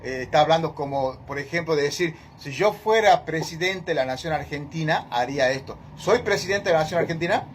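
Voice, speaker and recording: Male Bible study leader, emphatic and questioning, pitched a bit high, faint background hiss. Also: fairly quick, few pauses. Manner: questioning, emphatic, addresses group directly.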